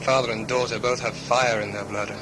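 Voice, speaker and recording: An actor playing a hot-tempered, mocking tribal warrior with sneering, formal archaic speech in an audio drama. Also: male voice, medium pitch, little pitch movement, fairly quick, background noise, natural voice. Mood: sly.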